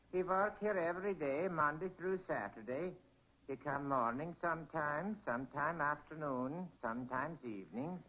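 Bright, forceful folksy janitor. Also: male voice, a little high. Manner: folksy, ungrammatical, obliging. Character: friendly, plain-spoken working-class male building janitor. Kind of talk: 1940s radio crime drama acting. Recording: dull 1940s radio recording.

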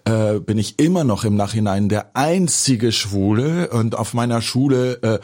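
Husky guy in his 40s, thoughtful, lots of pauses. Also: on the low side, a little mellow. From Geneva, Switzerland. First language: French. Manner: reflective, many hesitations. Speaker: filmmaker. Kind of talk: personal interview.

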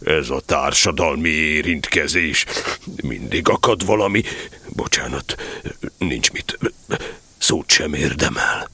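An actor playing a gloomy, self-pitying old donkey in a radio play, muttering morosely and sarcastically in a gravelly, husky voice. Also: male voice, a bass voice, bright, forceful tone, exaggerated voice. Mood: resigned, self-pitying.

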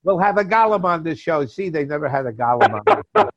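A man's voice: fairly high pitch, big pitch swings, racing, background noise. A man putting on a Jewish accent to play a brash, pushy older man who rants and jokes. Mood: ranting. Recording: dull dry lo-fi.

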